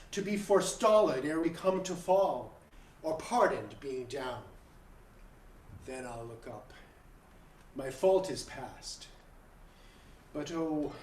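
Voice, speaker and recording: In a roomy, echoing space, some way from the mic, a male actor plays a guilt-ridden murderous king at prayer. He declaims classical verse very slowly, weighing each phrase in torment like a stage tragedian. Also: a little high, slight background noise. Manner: declamatory, classical verse delivery with long pauses. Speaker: acting student. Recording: echoey room, distant mic, online stream.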